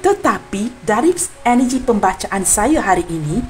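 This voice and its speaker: A woman's voice: medium pitch, big pitch swings, moderate pace. A young woman from Malaysia with a Malaysian Malay accent, giving a general tarot reading to her viewers in an earnest, apologetic way. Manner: earnest and apologetic, addresses viewers warmly as friends. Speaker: tarot reader.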